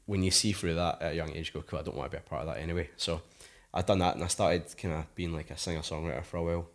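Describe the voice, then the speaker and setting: A man's voice: low voice, steady tone, racing. A Scottish man in his thirties, a musician guest talking casually in an interview, rambling with lots of "like" fillers. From Scotland.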